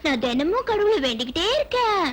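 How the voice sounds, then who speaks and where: A woman's voice: very high voice, big pitch swings, brisk, a bit bright, exaggerated voice. A chirpy teasing young college girl. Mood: playful. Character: playful young female college student, teasing and lively. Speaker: film heroine. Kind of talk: 1990s Tamil film acting.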